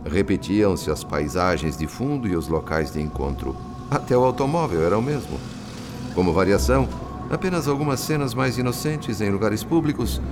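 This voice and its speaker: A Brazilian actor playing a calm, compassionate male spirit who narrates a radio drama in a solemn, deliberate, literary manner. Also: lowish voice.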